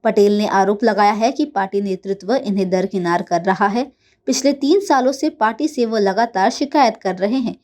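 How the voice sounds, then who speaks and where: A woman reads the news as an anchor. Her pitch sits in the middle range for a woman. The delivery is scripted, formal and measured, in the manner of a bulletin. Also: a little mellow.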